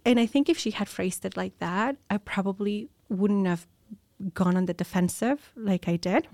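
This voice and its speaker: A woman's voice: medium pitch, normal speed, a little mellow, no echo. An American woman, a nurse, telling her personal story as an interview guest, reflective and candid, with many ums and restarts. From United States.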